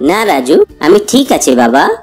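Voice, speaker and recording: A woman's voice: low-pitched, very animated, unhurried, a little mellow, full character voice. A woman voicing a devoted, brave cartoon father bird, earnest and reassuring. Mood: gentle. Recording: music bed under the voice. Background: background music.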